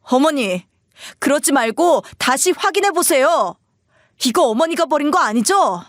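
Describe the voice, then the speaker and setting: A woman's voice: sits high, animated, unhurried, no echo, studio quality, voice pushed up. A woman voicing an upset adult son who pleads insistently with his mother, for an audio story. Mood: pleading agitated.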